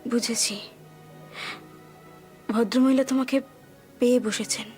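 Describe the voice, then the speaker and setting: Actress as clingy Bengali patient, soft and pleading, higher voice. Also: female voice, steady tone, measured pace, faint music behind, close to an everyday voice. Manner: gentle, pleading, easily hurt. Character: anxious young woman fellow patient, clingy. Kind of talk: TV serial drama acting.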